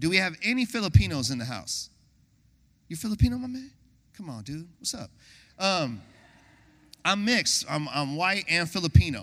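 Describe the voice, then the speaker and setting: A man speaks at a moderate pace with a fairly high pitch and very wide pitch swings. His tone is animated, with big swings in loudness and long, frequent pauses. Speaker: guest preacher. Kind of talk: sermon. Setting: church.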